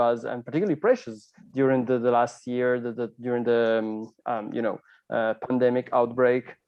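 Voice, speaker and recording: This man speaks with an Italian accent. His pitch sits in the medium range. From Italy. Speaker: podcast co-host. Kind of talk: casual chat. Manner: halting, many repetitions.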